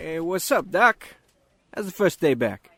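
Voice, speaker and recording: Lively-pitched, easygoing cop. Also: male voice, measured pace, noisy background. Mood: casual, joking. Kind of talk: naturalistic audio drama acting.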